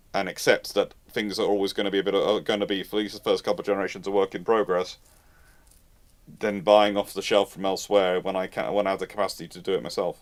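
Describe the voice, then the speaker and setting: A man hosting a live talk, explaining things off the cuff in an animated, emphatic way, often rephrasing mid-sentence. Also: fairly low pitch. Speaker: host of naval history live Q&A. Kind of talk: off-the-cuff explanatory commentary, answering listener questions.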